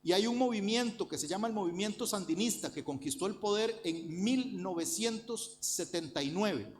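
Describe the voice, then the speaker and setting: A man from Rica, preaching a sermon and Bible study to his congregation with earnest, repetitive emphasis. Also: high-pitched. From Costa Rica. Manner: earnest preaching, addresses the congregation directly, repeats phrases for emphasis. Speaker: pastor.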